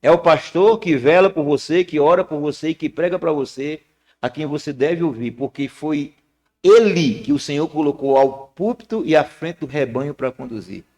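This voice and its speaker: Man preaching a sermon. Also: moderate pace. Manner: storytelling, with sharp rises and drops in pitch and loudness. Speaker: guest preacher. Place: church.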